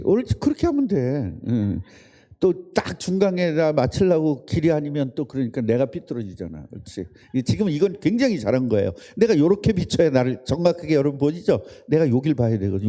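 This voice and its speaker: A man's voice: fairly high pitch, warm tone. A man preaching a casual sermon, chatting with and quizzing his congregation and its children. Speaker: pastor. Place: church service room.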